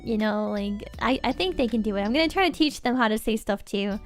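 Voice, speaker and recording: Young female streamer, high and bright voice, chatty and giggly, close-miked, faint music behind. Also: lively intonation, a little fast. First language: Norwegian. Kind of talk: casual livestream chat.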